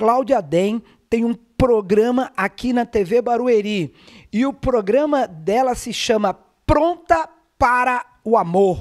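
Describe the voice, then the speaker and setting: An extremely high-pitched man with a Brazilian accent, ordinary pitch variation, and a very slow pace. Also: quiet background. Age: 50s. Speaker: TV talk show host. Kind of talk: talk show hosting. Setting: TV studio, live broadcast. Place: studio. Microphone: handheld.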